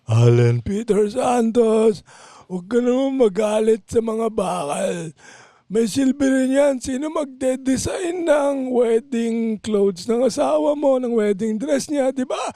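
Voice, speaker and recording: A man doing a shrill gravelly shouting voice. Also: animated, slow, no echo, studio quality, heavily acted. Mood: mocking. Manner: shouting, mocking.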